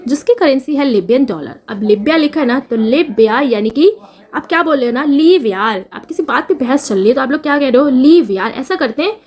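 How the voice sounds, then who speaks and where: A woman's voice: high-pitched, lively intonation, a little fast, darkish tone, breathy edge. A woman giving a chatty exam-prep lesson, asking questions and answering them herself. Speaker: teacher.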